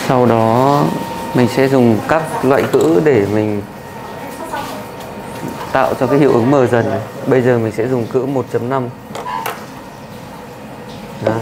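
Calm barber teaching over buzzing clippers. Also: male voice, mid-range voice, a little slow, long pauses, background noise. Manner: calm, instructive, repeats each step. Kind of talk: casual step-by-step demonstration. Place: busy barbershop indoors. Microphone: lapel mic. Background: electric clippers and shop chatter.

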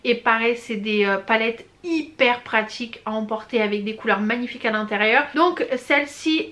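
Young female vlogger, slightly high voice, chatty and effusive, casual review tone. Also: a bit bright. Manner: chatty and gushing, many hesitations and slang. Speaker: beauty vlogger. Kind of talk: casual product review chat.

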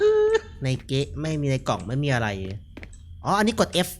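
A man's voice: medium pitch, sing-song, brisk, a little hiss or hum. A man giving casual, jokey commentary while playing a horror game. He chats freely, reads out what he finds and laughs often. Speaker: gaming streamer.

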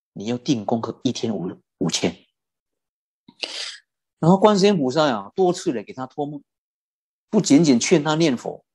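Lively husky-voiced Buddhist teacher. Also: mid-range voice. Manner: animated, drawn-out particles like 哦 and 啊. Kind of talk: storytelling dharma talk.

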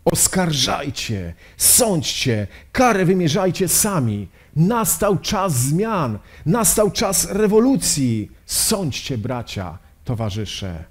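A man reading aloud the lines of a defiant middle-aged revolutionary leader who mocks heaven, slow and dramatic within a sermon. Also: on the high side, sing-song, heavily acted. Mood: fiery. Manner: scornful, challenging heaven.

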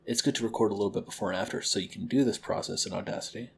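A man's voice: lowish voice, steady tone, rapid-fire, gravelly, a little hiss or hum. A young man hosting a library tutorial, explaining audio editing step by step in a friendly way, recorded at home. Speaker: library program host. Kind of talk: software tutorial. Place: home kitchen-living room, indoors.

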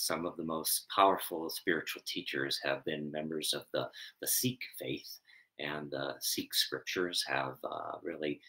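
A man in his fifties, a minister, talking to his congregation from home and then reading a short scripture in a soft, unhurried way with many fillers. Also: rumbling low, low-quality recording. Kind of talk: reflective talk and scripture reading. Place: home room, indoors. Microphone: webcam at desk distance.

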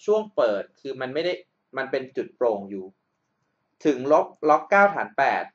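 A man's voice: mid-range voice, big pitch swings, normal speed, highs cut off. A man tutoring math over a screen recording, explaining each step patiently and checking that the listener follows.

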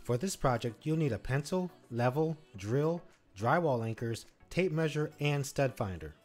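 Man, mid-pitched, instructive how-to voice-over with faint music behind. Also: expressive, measured pace, a little mellow. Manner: instructive, step-by-step. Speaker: DIY channel co-host.

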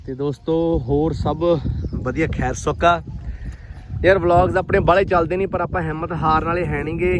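A man from Punjab, India, talking casually to his viewers as friends while vlogging outdoors in farm fields on a handheld phone. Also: a little high. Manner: chatty, talks straight to viewers as friends. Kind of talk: casual vlog chat. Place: outdoors in rural farm fields, on a motorbike and walking. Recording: outdoor phone audio with clear wind and field noise.

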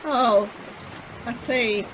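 A woman's voice: a little high, extremely slow. A woman playing a cheeky, officious manservant in an audio pantomime, with a dry, mock-formal manner. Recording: faintly noisy video-call recording.

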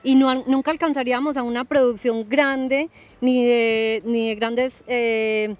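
A young woman hosting a TV gardening show, talking calmly outdoors in a garden with a few fillers. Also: on the high side, a little slow. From Colombia. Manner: calm, explanatory, with fillers. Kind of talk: relaxed TV show conversation.

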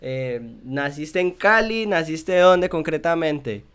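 A man's voice: on the high side, animated, slow, fairly bright tone, smooth. A young man with a Colombian accent hosting a casual interview over a video call, chatty and often repeating words as he searches for them. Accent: Colombian Spanish. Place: small room at home. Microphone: headset.

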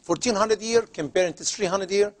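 Emphatic man, fairly high voice. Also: a little fast. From Egypt. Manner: emphatic, broken grammar, rising into exclamations. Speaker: talk show guest. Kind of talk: impassioned studio discussion.

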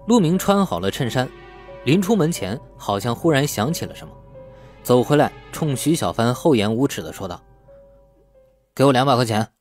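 A man reads a novel as an audiobook narrator. His pitch moves in lively swings, and faint music plays behind him. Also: normal speed. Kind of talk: scripted dramatic novel narration.

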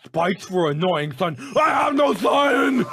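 A man's voice: high-pitched, big pitch swings, slow, a little hiss or hum. Shrieking man, Santa persona gamer. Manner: yelping, shouting, laughing. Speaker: gaming video host. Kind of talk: gaming commentary in a Santa persona.

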